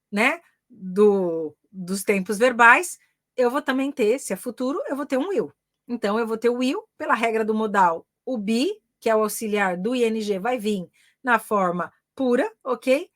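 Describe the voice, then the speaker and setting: A Brazilian woman with a fairly high voice teaches English grammar in a live online class. She talks in a chatty, encouraging way, tagging nearly every phrase with a quick check-in to her viewers. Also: fairly bright tone. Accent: Brazilian Portuguese. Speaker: English teacher and career mentor.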